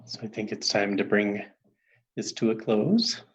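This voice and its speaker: Casting: man, online host, lowish and gravelly, informal, on a dull lo-fi connection. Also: expressive, measured pace. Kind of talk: informal closing remarks. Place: online video call. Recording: dull lo-fi call audio.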